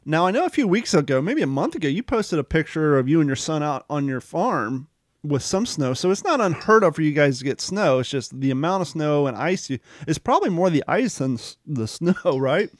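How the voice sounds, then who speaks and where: A man's voice: on the high side, very animated, fairly quick, no echo, clean studio sound. A man hosting a casual talk show, reading news aloud in an easygoing way with fillers like "um" and "uh". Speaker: host.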